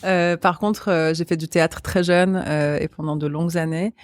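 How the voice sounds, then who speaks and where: A woman with a Québécois accent talks easily as a guest, often pausing on fillers. Her voice stays quite flat in pitch. It sounds dry and close, with no room echo. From Quebec. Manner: easygoing, frequent fillers, light laughs. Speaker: restaurant co-founder, guest. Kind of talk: casual interview chat.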